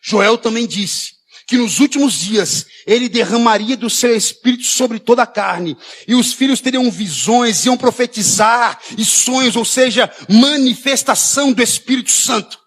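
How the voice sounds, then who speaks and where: Man, brazilian accent, very high voice, preaching loudly in a church. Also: normal speed. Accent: Brazilian Portuguese. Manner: shouting preacher, acts out quoted dialogue. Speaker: pastor. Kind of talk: sermon.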